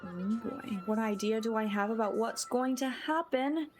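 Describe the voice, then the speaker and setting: A woman livestreamer giving casual game commentary and chatting to viewers in a soft, hesitant, musing manner. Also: fairly high pitch, normal speed, soft background music.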